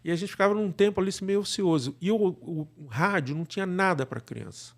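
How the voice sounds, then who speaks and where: Chatty middle-aged Brazilian man, higher-pitched voice. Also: quick pace, gravelly. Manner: chatty, rambling, often checking in with tag questions. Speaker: podcast guest. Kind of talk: casual conversation.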